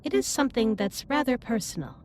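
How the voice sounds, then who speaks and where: A woman playing a caring, earnest alien starship captain in a sci-fi roleplay audio drama, speaking in formal, precise, measured sentences. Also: a little high, expressive, slight background noise, close to an everyday voice. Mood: polite, composed. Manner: formal, precise, stilted wording with measured delivery. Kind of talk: scripted roleplay audio drama, intimate one-sided dialogue.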